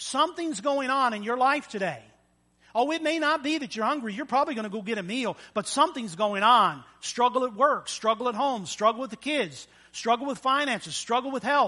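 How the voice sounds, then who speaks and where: A man with an extremely high pitch uses a raised, projected voice and lively intonation. His tone is bright and sharp, and his pace is moderate. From Michigan, then Kentucky from ninth grade. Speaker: preaching minister. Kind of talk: sermon. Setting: church service with congregation.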